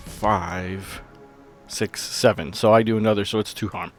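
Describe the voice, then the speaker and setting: Male tabletop player, casual table talk, slightly low voice, soft music behind. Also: fairly even intonation, measured pace. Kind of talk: casual game-table chat.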